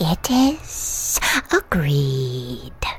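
Over light background noise comes a female-sounding, put-on character voice. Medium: audio drama. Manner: cold, formal, menacing, speaks as "we".

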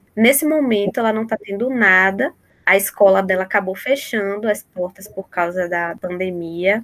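This woman has a normal speaking voice at a medium pitch. She keeps a moderate pace with ordinary pitch variation. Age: 20s. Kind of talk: interview.

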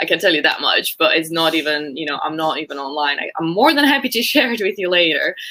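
A woman with a Slovak accent, very fast in pace and very wide in pitch swings, over noticeable background noise. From Slovakia. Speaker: vet. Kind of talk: casual chat. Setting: live stream on social media.

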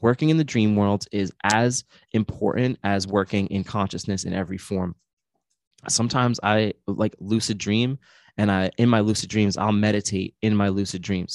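With an ordinary speaking voice, a man talks at a fairly quick pace in a fairly low pitch and fairly even intonation, the sound dry and close with no echo on a very clean recording with a silent background. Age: 30s. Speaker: meditation teacher and energy healer. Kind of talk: casual chat; guided meditation.

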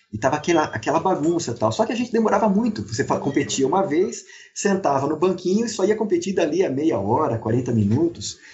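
A man's high voice with very wide pitch swings, a fairly quick pace, hardly any pauses and very even loudness, over noticeable background noise. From Brazil, São Paulo. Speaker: author, civil servant. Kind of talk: interview.

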